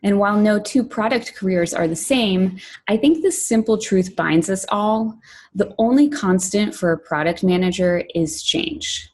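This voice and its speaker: A woman from Poland, raised in New York, giving a prepared conference talk as a product director, measured and clear, with lists and emphasis. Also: medium pitch, darkish tone. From Poland, raised in New York City.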